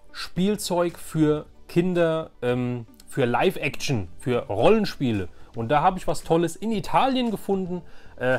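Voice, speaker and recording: A man's voice: fairly high pitch, darkish tone. A man chatting casually and enthusiastically to viewers as he hosts a video about his collection. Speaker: YouTube toy collector, host.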